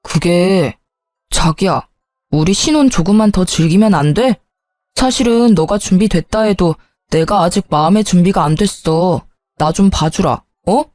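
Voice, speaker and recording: A woman's voice: fairly low pitch, a little slow, darkish tone, no room sound, soft background music, lightly acted. A woman voicing an irritable young husband who brushes things off and scolds. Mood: wheedling. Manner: curt and scolding, then sheepish.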